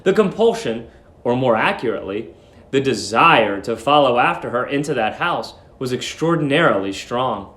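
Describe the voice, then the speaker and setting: A man giving a dramatic narration of a story, theatrical and deliberate in his emphasis. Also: medium pitch, expressive, a bit bright, reverberant.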